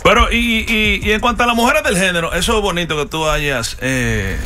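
A man's voice: high voice, animated, normal speed, pushed and bright, faint music behind. A man hosting a casual talk show, upbeat and asking the guest questions. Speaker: radio show host.

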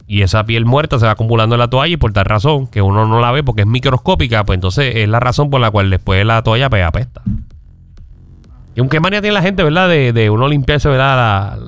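A man with a Puerto Rican accent hosting a joking radio call-in show, playful and quick to laugh. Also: mid-range voice, animated, clean tone, no room sound, faint music behind. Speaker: radio host taking calls.

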